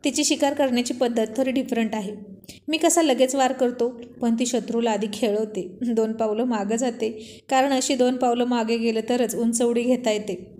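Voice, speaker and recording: A woman voicing a self-assured young husband in a storybook reading, speaking in a relaxed, teasing way. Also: a little high, moderate pace, natural voice. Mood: boastful.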